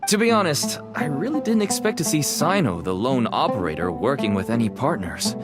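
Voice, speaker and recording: A man's voice: medium pitch, very animated, a little fast, over loud music, lightly acted. An actor playing an anxious, placating black-market dealer and doting father in a video game. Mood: earnest warning. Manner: nervous, placating, theatrical.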